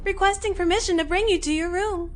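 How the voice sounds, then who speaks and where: A woman's voice: very high voice, fairly quick, crowd noise, pitched above the performer's own voice. A woman voicing a polite, literal-minded female ship's android in a sci-fi audio drama, speaking in formal, emotionless stock phrases. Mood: formal, neutral.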